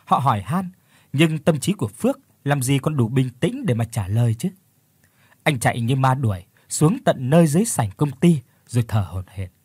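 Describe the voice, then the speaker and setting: A man narrating a horror story as a scripted audiobook, in an expressive storytelling manner. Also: medium pitch, normal speed, breathy edge, no echo, studio quality.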